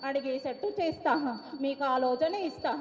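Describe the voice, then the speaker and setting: High-pitched woman oracle in prophetic trance, Telangana accent. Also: steady tone, moderate pace, darkish tone. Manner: prophetic trance voice, declaiming in short phrases. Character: mother goddess, commanding and protective of her children. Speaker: oracle speaking a prophecy as the goddess. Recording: echoey, reverberant hall sound.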